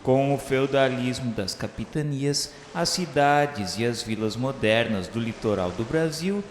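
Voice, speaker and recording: Man, mid-pitched voice, solemn radio drama narration, formal declamatory delivery, long reverb, music behind. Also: measured pace. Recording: reverberant echoey hall sound with music.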